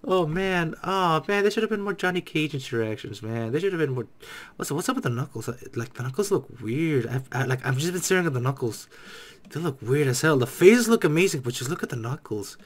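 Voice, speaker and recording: A young man giving casual, excitable reaction commentary on a game, echoing the lines he hears. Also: a little high, brisk. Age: young adult. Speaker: gaming reaction streamer. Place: small dark room indoors.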